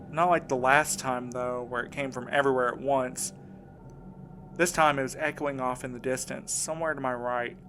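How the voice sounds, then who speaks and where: Casting: male actor for shaken, earnest man in an audio drama, mid-range voice, halting and defensive delivery, music underneath. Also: medium pitch, fairly bright tone, slight background noise, close to an everyday voice. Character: shaken, insistent man recounting a frightening ordeal. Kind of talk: audio drama acting, first-person recounting.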